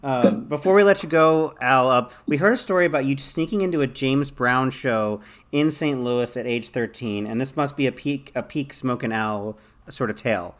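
A man hosts a casual podcast conversation. He asks his guest easygoing questions in a medium-pitched, everyday voice. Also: moderate pace, few pauses. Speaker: podcast host. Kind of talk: casual interview chat.

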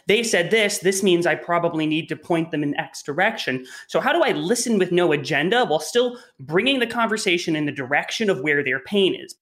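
Male co-host, high-pitched, thoughtful questioner. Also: fairly bright tone. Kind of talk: interview questions.

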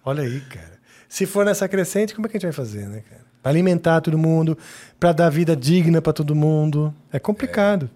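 Guy in a podcast chat, kinda high voice, thinks out loud, says né a lot. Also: lively intonation. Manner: thoughtful, fills pauses with "né". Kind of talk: casual chat.

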